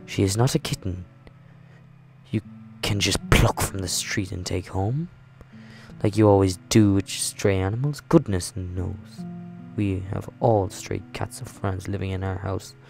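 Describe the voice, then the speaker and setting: A man voicing a weary, apologetic father gently scolding a child in a visual novel. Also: sits low, measured pace, creaky, faint music behind.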